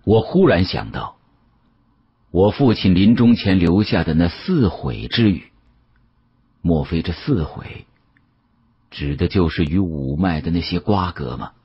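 A man with a husky voice narrating a first-person story as an expressive, scripted audiobook. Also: low-pitched, a little slow, pauses often, dull audio.

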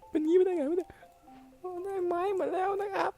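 A man putting on a squeaky, high voice as an excitable young male game hero, narrating his play and yelping and cursing when startled. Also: fast talker, faint music behind. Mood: excited. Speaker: game caster. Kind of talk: playing and narrating a block-building game in a put-on voice.

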